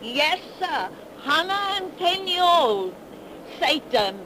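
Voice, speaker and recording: A woman playing a cackling, ancient witch who talks in a slow rustic drawl, in 1930s radio drama style. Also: extremely high pitch, big pitch swings, bright, forceful tone, heavily acted, low-quality recording. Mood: boastful. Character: ancient cackling female witch, 110 years old. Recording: hissy 1930s radio broadcast recording.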